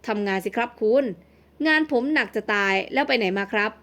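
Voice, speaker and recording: A woman voicing a humble, playfully sly young male gardener in an audio novel, speaking politely and slowly. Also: fairly high pitch, fairly bright tone, natural voice. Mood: teasing. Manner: polite, coaxing, slow drawl.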